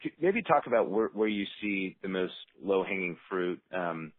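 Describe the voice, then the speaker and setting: A deep-voiced man with a husky edge talks over a dry phone line. He is an analyst posing a spontaneous question, restarting his phrases as he goes. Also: sing-song, moderate pace. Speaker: financial analyst asking questions. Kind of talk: spontaneous conference call question.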